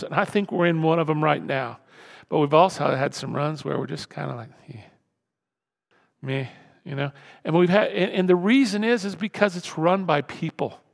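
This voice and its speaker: A male pastor preaching a sermon to his church, animated and repetitive, swinging from loud emphasis to hushed tones. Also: fairly high pitch, brisk, gravelly. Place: church sanctuary. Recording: reverberant church hall.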